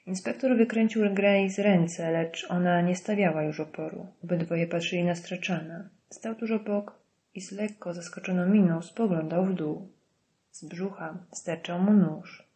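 Woman reading a novel aloud, calm and even, lowish pitch. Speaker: audiobook narrator. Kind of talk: scripted narration.

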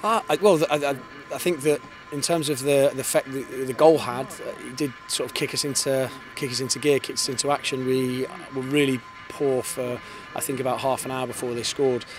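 Man, 30s, football coach, post-match interview, fast talker, fairly flat delivery, repeats words, handheld mic, outdoors at night, clear stadium noise. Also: mid-range voice, music in the background. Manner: fast, earnest, repeats words when starting sentences. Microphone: handheld reporter's mic held in front.

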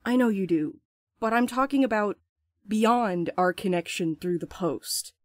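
A woman's voice: medium pitch, unhurried, dry recording, studio quality, lightly acted. A woman playing a restless, blunt courier in an audio drama, urgent and sardonic, eager to escape. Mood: earnest, confessing.

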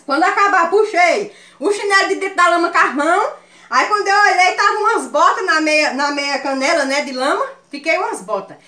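A woman with a Northeastern Brazilian accent telling a funny story to her viewers, animated and laughing often. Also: very high voice, a little fast. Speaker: vlogger. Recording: echoey room sound.

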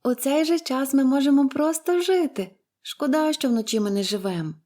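Lady reading an audiobook, doing a chirpy chatty little girl, high and bubbly, eager and gushing. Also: normal speed, mellow, natural voice. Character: cheerful chatty young orphan girl.

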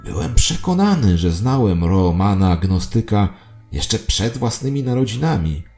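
A man's voice: fairly low pitch, big pitch swings, measured pace, a little mellow, soft background music. A man narrating a scripted first-person audio drama as a storyteller.

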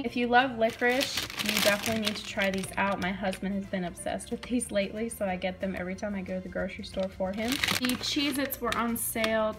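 A young woman chatting casually in her kitchen as a vlogger, upbeat and listing what she bought. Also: medium pitch. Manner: chatty, upbeat, lists items with prices. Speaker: vlogger showing a grocery haul. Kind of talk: casual chat. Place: home kitchen.

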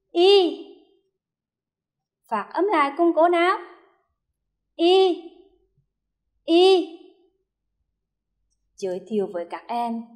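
A high-voiced woman teacher with a Hue accent, taking her time as she leads a children's reading lesson. She draws out each sound slowly and clearly so young pupils can echo it back, and she speaks in a studio. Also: darkish tone. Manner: slow, careful modeling of sounds, drawn-out repetitions for children to echo. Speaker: primary school teacher. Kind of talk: first-grade reading lesson.

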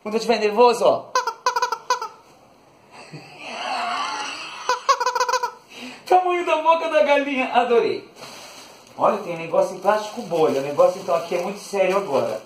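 A man's voice: high voice, sing-song, a little slow, pauses often, fairly bright tone, roomy sound, far from the mic. Man, casual unboxing vlog, coaxing, affectionate, voice off the mic, faint background noise. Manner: coaxing, talks sweetly to his dog, often laughing. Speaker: channel host.

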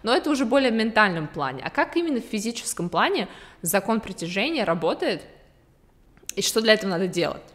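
A woman's voice: medium pitch, big pitch swings, quick pace, fairly bright tone, long reverb tail. A woman in her twenties giving a casual, conversational explainer to camera, informally mixing English terms into her speech as a bilingual speaker. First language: Russian with English as a second native language. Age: 20s. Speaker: video blogger. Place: large open-plan living room indoors. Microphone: desktop condenser microphone.

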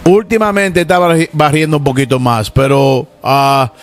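A man's voice: a little high, steady tone, moderate pace, faint music behind. A man, a barber colleague, speaking earnestly about shop chores in a casual chat.

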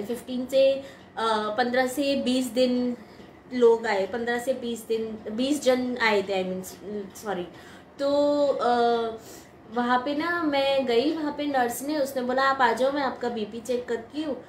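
A young woman telling a casual devotional story to her followers, chatty and laughing often, mixing in English words. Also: a little high. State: eight months pregnant. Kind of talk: casual spoken testimony to followers. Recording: echoey room with faint hum.

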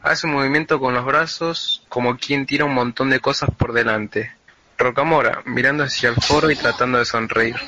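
A man's voice: mid-range voice, steady tone, moderate pace, sharp tone, low-quality recording. A young man with an Argentine accent reading stage directions as the narrator of an amateur radio play. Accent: Argentine, Buenos Aires area. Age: young adult. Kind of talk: scripted narration. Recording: faint background noise.

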